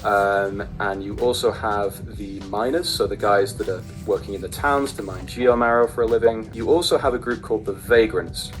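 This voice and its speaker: A man working as a voice director, explaining things informally in a hesitant, softened way. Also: fairly low pitch, moderate pace, hardly any pauses, soft background music. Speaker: voice director briefing actors.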